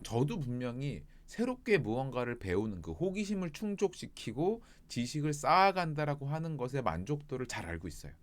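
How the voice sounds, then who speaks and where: A middle-aged man, a coach, talking casually to viewers, chatty and shifting between jokes and earnest advice. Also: mid-range voice. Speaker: life coach. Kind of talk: casual reflective talk to viewers.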